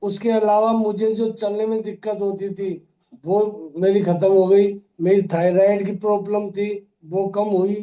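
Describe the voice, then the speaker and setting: A man speaks in a high voice with a dark, mellow tone and a monotone, flat intonation. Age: 60s. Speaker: retiree giving health testimony. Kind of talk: testimony.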